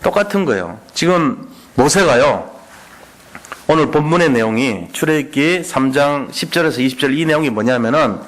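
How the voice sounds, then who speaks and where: A male pastor preaching a Sunday sermon, acting out the words of the people in the story. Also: a little high. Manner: animated preaching, acting out God's and Moses' words.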